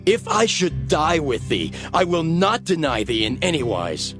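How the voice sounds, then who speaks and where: Casting: man to play an impassioned, loyal male disciple in scripture drama, highish, animated, insistent. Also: unhurried, full character voice. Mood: vehement. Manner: vehement, insistent. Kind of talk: dramatized Bible audio acting. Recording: music behind the voice. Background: background music.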